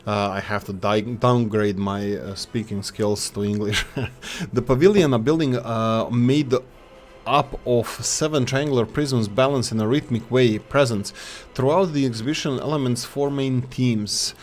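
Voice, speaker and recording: A man talks through game mods into a desk microphone. His voice sits at a middling pitch. He sounds chatty and enthusiastic, and he often stops and restarts his words. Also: a little slow. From Yugoslavia. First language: Serbo-Croatian. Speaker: gaming YouTuber reviewing mods. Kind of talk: casual gameplay commentary.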